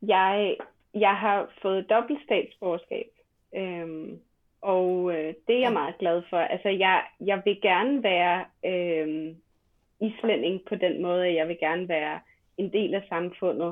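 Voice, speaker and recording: Delivered at a very slow speed, the speech shows ordinary pitch variation. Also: woman, medium pitch for a woman. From Denmark, Lolland. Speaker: language teacher and horse trainer. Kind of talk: interview. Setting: phone call. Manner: hesitant, many fillers.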